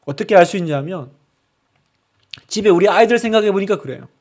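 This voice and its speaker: Pastor guy, higher voice, chatty sermon, acts out little prayers. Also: animated, brisk, darkish tone. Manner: conversational preaching that acts out sample prayers.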